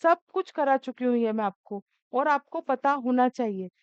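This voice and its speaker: A woman's voice: sits high, lively intonation, moderate pace, a little mellow, smooth, no room sound, dull audio. A woman teaching an exam-prep lesson, calling her students "beta" as she coaxes and scolds them.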